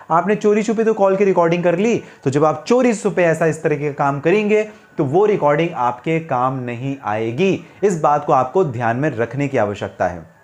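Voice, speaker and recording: An Indian man with a slightly high voice explains legal matters to viewers. He is didactic, setting up questions and answering them himself, and drops English legal terms into his speech. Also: a little mellow. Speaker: legal advice channel host explaining law.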